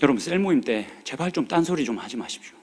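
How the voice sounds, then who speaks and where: A man's voice: mid-range voice, lively intonation, quick pace, a little mellow, breathy edge. Earnest male pastor preaching in a reverberant church hall. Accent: Korean regional dialect. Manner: earnest, pleading exhortation with rising urgency. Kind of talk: sermon. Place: church sanctuary.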